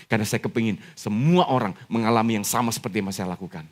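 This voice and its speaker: A middle-aged man from Indonesia preaching a sermon as pastor, telling his own story in a conversational way, dropping to low murmurs and then rising to high, shouted climaxes. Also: fast. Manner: personal testimony told in a conversational tone.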